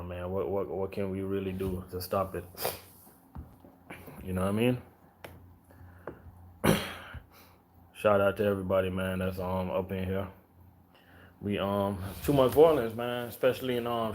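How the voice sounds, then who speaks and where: A man's voice: deep voice, steady tone, normal speed, long pauses, darkish tone. Laid-back man talking to his stream viewers. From Jamaica. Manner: laid-back, rambling, many fillers and "you know what I mean". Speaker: live stream host. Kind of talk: casual live stream talk to viewers.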